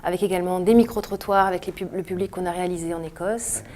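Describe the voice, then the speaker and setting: A woman's voice: on the low side, fairly even intonation, fast, a little mellow. A woman, a guest playwright and actress, explaining her play articulately in a studio interview with occasional fillers. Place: web TV studio.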